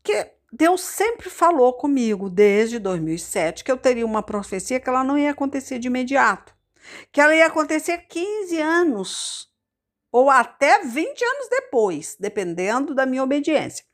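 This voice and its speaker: Her slightly high voice swings widely in pitch at a moderate pace as this Rio de Janeiro missionary preacher, Carioca-accented, delivers a talkative, informal sermon built around her testimony. She repeats words, fills in with many fillers, and keeps addressing the congregation in asides.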